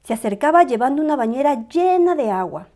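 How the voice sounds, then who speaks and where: A woman reading a picture book aloud as a storyteller, with expressive, dramatized narration for small children. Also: sits high, brisk.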